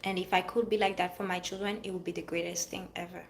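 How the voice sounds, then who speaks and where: A woman's voice: fairly low pitch, level tone, fast, background noise. A woman with a Haitian-French accent, giving an earnest motivational talk to viewers and repeating her phrases for emphasis. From Haiti or France. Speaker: vlogger giving life advice. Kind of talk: motivational monologue.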